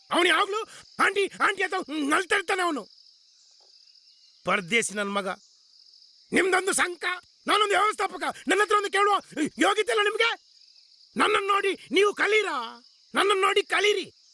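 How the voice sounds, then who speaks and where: At a moderate pace, a man talks in an extremely high-pitched voice. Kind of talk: comedy film scene. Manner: angry, scolding, frustrated.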